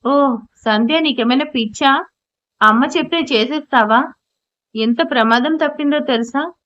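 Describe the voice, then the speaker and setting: A woman's voice: high voice, measured pace, fairly bright tone. A woman voicing an anguished young husband who pleads and then demands answers. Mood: demanding. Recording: dull lo-fi audio.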